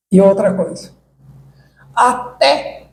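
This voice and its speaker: A man speaks in a dark, mellow tone with ordinary pitch variation. Audible room echo surrounds his voice. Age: 60s. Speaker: entrepreneurship teacher. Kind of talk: online video lecture.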